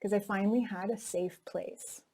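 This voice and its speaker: A woman's voice: medium pitch, fairly even intonation, normal speed, dark tone. A woman in an interview, telling her own story candidly and reflectively, often dropping in "like" and "you know". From North America. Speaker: actress interviewee.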